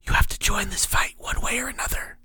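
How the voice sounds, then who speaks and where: A man whispering as an urgent high mentor voice. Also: a little fast, close to an everyday voice. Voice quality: breathy whisper. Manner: insistent, instructive.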